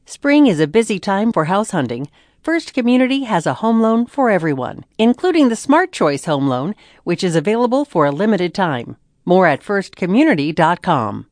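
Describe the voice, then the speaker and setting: A woman reading sponsor announcements for a public radio station in a crisp, scripted delivery. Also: medium pitch, very animated, normal speed, a little mellow, no echo, clean studio sound.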